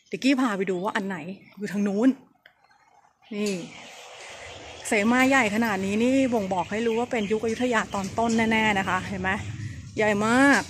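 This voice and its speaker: A woman's voice: mid-range voice, steady tone, normal speed. A woman giving a chatty walking tour outdoors and keeping her voice down. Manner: chatty, speaks softly and keeps her voice down. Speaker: travel vlogger touring a temple. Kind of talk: casual guided tour talk. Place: outdoors at a temple on an overcast day. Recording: noisy outdoor recording.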